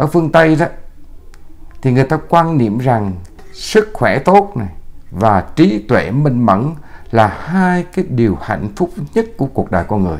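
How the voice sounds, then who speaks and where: Faint music plays in the background as the speaker goes at a fairly slow pace. There are long, frequent pauses and very wide pitch swings. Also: man, medium pitch for a man. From Vietnam. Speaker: journalist and channel host; journalist, channel host. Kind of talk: monologue commentary. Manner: formal. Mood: warm, festive, polite. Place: studio. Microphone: lapel.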